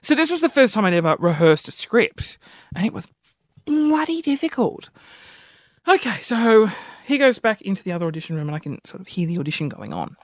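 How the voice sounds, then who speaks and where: Man, high-pitched voice, animated, self-deprecating podcast storyteller, dry close sound. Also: a little fast, no room sound. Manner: animated, self-deprecating, jumps between high and low tones. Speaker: podcast host. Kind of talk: casual storytelling monologue.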